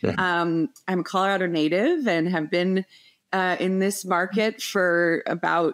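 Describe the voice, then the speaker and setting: Moderately paced female speech over a quiet background. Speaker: remote podcast guest. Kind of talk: interview answer. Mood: warm, friendly. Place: home room.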